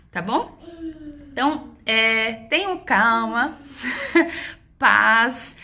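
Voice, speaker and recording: A woman's voice: fairly high pitch, pushed and bright. A woman, an educator, patiently explaining early reading to parents in a casual, reassuring tone. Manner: reassuring, patient, says "né?" often. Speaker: homeschooling educator. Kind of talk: casual teaching talk to parents.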